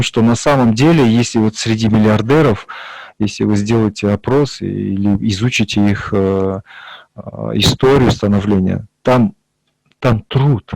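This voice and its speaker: A man, a psychologist guest, explaining in a measured way. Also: fairly low pitch, creaky, darkish tone, no room sound, low-quality recording. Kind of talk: interview explanation.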